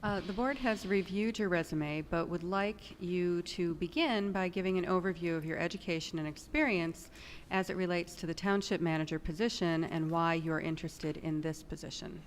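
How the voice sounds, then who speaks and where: A woman attorney reading interview questions in a brisk, formal way. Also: on the low side, slight background noise. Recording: long hall reverb with faint ambience.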